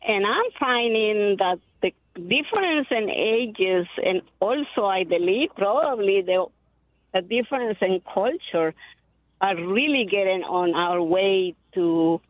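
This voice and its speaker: A woman in her seventies from Colombia, with a Colombian Spanish accent, calling in to a radio show and speaking politely and haltingly. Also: medium pitch, expressive, no room sound. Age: 70s. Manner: polite, halting, searching for words. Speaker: caller. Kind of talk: call-in question. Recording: phone line, dry.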